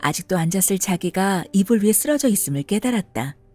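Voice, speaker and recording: A woman speaks at a medium pitch with ordinary pitch variation. The sound is dry and close with no echo, and music plays in the background. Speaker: audiobook reader. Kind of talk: audiobook narration of a short story, read aloud for sleep listening.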